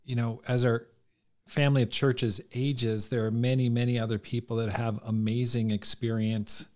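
A podcast host who asks questions and encourages the guests with steady affirmations. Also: medium pitch, normal speed. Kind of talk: casual interview questions.

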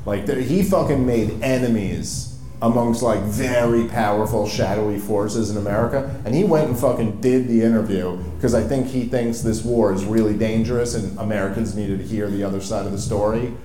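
Mellow man swearing casually, echoey live venue. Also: on the low side, normal speed, a little hiss or hum. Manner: profane, emphatic, informal. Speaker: podcast host. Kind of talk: casual political comedy talk on stage. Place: live show venue on stage.

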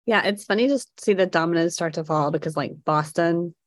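Low-voiced co-host, dry close mic. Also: female voice, fairly quick, no echo. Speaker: podcast co-host. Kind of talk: casual podcast chat.

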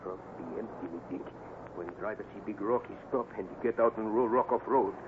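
Man doing a steady careful scout sidekick, clipped broken english, old radio western, tinny and hissy. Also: on the low side, close to an everyday voice. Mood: steady, scheming. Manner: measured, terse, stilted broken English. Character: steady, cautious Native scout sidekick to boy hero. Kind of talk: old-time radio adventure acting. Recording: noisy, narrow-band old radio recording.

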